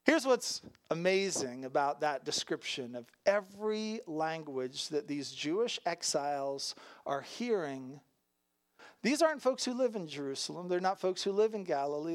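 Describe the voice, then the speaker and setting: Preacher, mid pitch, conversational and animated delivery with rhetorical questions and wry asides, dry recording. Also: no echo. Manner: animated, rhetorical questions, frequent "right?" check-ins. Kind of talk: sermon with casual asides and scripture reading.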